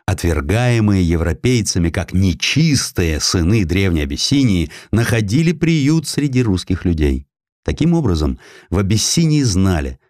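A man reads a historical tale as scripted audiobook narration, with a dramatic, expressive storytelling delivery. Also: low-pitched, no echo, clean studio sound.

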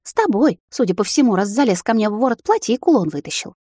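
A woman voicing Lin, a high excitable young sister. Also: fast talker, slightly rough, no echo, clean studio sound. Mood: agitated. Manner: high, agitated, indignant.

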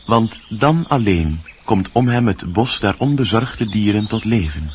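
A man giving a scripted, literary introduction to a radio play as announcer, with a husky voice. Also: on the low side, lively intonation, unhurried, a little hiss or hum. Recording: dull, dry old radio recording.

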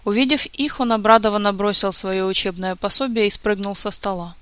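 An audiobook narrator reading a fantasy story in a steady, even way. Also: medium pitch, brisk, smooth, no echo.

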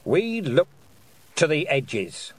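A man's voice: on the high side, very animated, slow, voice pushed up, exaggerated voice. A man playing a stern old witch. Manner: clipped, commanding. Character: stern thin old woman witch, proud and blunt.

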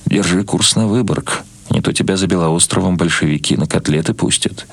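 A man's voice: sits low, a little fast, husky, dry recording. A man voicing a lonely old Russian émigré who muses to himself with self-mockery in a literary radio reading. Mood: playful surprise. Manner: musing, talking to himself.

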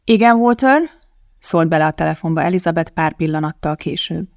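An audiobook narrator reading a novel in a calm, even storytelling manner. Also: mid-range voice, creaky, no echo, studio quality. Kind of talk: scripted narration.

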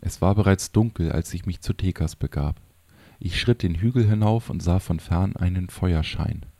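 A man reading a story aloud in a calm, even narrating style. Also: low voice, moderate pace, no echo. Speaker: audiobook narrator. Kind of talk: scripted narration.

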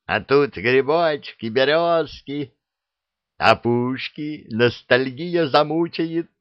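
A man voicing the giddy left head of a three-headed dragon in a storybook reading, giggling and high. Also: slow, no room sound, lo-fi sound, natural voice.

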